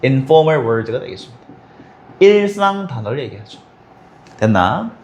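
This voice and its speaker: Lively, questioning male English teacher. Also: medium pitch. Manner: explains step by step, asks students quick questions; switches between plain and exaggerated voices for example lines. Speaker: English teacher at a cram school. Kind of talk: textbook explanation lesson for high schoolers.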